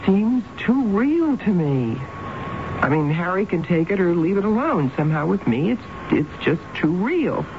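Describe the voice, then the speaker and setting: Stubborn, troubled housewife, swooping delivery. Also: female voice, fairly low pitch, very animated. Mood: defensive, insistent. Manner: hesitant, halting, earnest. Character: defensive, troubled middle-aged housewife, stubbornly insistent. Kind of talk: radio drama acting. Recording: muffled, noisy vintage radio broadcast.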